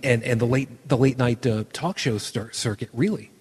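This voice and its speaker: A man's voice: medium pitch, moderate pace, darkish tone, husky, in a large hall. A man hosting a casual podcast chat, rambling and restarting as he hunts for words. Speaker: podcast host.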